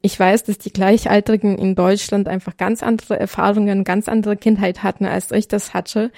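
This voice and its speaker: A woman's voice: mid-range voice, mellow, dry recording, studio quality. A young woman from Ukraine, co-hosting a podcast, talking things through in a reflective, casual way with many fillers. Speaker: podcast co-host. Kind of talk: casual conversation.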